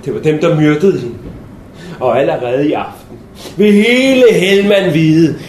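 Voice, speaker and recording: A man playing a fanatical male insurgent bomber, talking slowly and solemnly with triumph, in a roomy space with faint noise. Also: a little high, a little mellow, close to an everyday voice. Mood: accusing.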